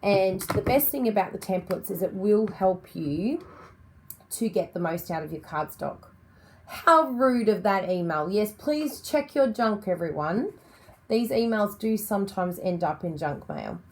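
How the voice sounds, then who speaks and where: An Australian woman in middle age with a touch of croakiness in her voice, talking in a chatty, upbeat way. She speaks at an ordinary pitch for a woman and moves easily between explaining and greeting her live viewers. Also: lively intonation, a little slow. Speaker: card-making demonstrator. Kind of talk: live-stream tutorial chat.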